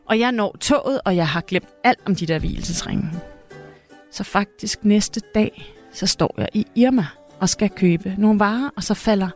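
A woman talks casually as a podcast guest, telling a long story that keeps stopping and restarting as she corrects herself. Her voice sits at an ordinary middle pitch. Faint music plays softly in the background. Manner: lively, rambling storyteller with many restarts. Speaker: actress guest.

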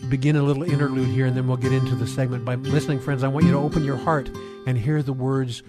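A man's voice: mid-range voice, little pitch movement, quick pace. A man hosting Christian radio talk, speaking earnestly and devoutly, directly to his listeners. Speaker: radio show host. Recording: loud live guitar music behind. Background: guitar music.

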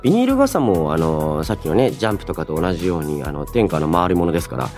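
Over soft background music, a young radio host with a deep, slightly mellow voice talks fast and very animatedly. He muses aloud in a chatty, polite but informal way while reading and replying to listener mail on his solo show.

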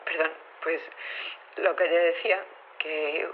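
Una actriz interpreta en una ficción sonora a una trabajadora electoral apurada y servicial, que habla de forma titubeante. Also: female voice, deep voice, steady tone. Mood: awkward, hesitant. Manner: hesitant, halting, trailing off. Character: flustered female polling-station worker, helpful and hesitant. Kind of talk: audio fiction acting. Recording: lo-fi radio sound with noisy ambience.

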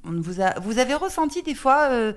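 A woman's voice: high-pitched, very animated, a little fast. A woman interviewing a guest, asking long questions with many hesitations. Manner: hesitant, searching questions with fillers.

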